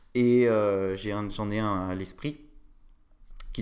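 Speaking at a very slow pace, a man uses a fairly low pitch. His intonation is fairly even. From western France, Nantes. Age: 40s. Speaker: book publisher and consultant. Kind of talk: casual interview. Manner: hesitant, many fillers.

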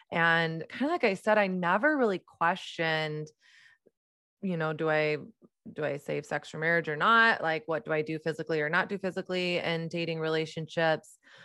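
Against a quiet background, a woman with an American accent talks in a bright, sharp tone with fairly even intonation. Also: moderate pace. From Texas, Dallas. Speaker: author and podcast host. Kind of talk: interview.

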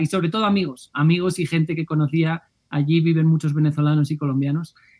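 His intonation fairly even, a man talks at a fairly high pitch. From Spain (Guadalajara, Madrid). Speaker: tech company education lead. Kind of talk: casual interview.

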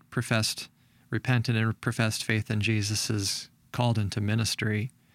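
On a very clean recording with a silent background, a man speaks at medium pitch and a moderate pace. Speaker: pastor. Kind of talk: casual faith discussion.

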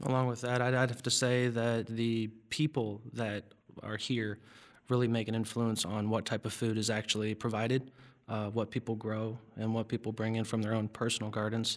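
A man's monotone, flat voice in a very clean recording with a silent background. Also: medium pitch for a man, moderate pace. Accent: American. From western Pennsylvania, US. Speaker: junior sous chef. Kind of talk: interview.

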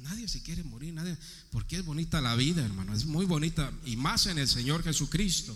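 Over audible room echo, a man with vocal fry talks fairly quickly at a fairly high pitch, his voice making very wide pitch swings. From Mexico (rural ranch). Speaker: church brother preaching. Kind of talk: sermon.

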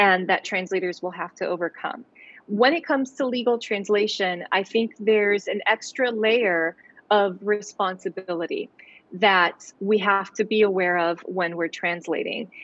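With an American accent, a woman talks at a moderate pace in an unremarkable speaking voice. Her pitch is medium, with ordinary variation. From United States. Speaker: lawyer and legal translator. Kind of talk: interview.

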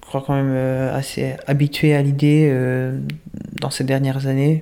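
Very slow, monotone delivery with flat intonation, long and frequent pauses, and noticeable background noise. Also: man. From Italy. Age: 20s. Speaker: seminarian in vocational discernment year. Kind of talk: interview testimony. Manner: halting, with frequent repetitions and hesitations.

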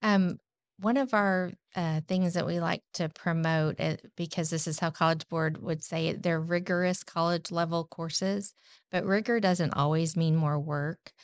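A woman with a normal speaking voice and an American accent speaks at a moderate pace, in a fairly low pitch with fairly even intonation. The sound is dry and close with no echo, over a quiet background. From Texas, Houston. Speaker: high school math teacher. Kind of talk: casual interview.

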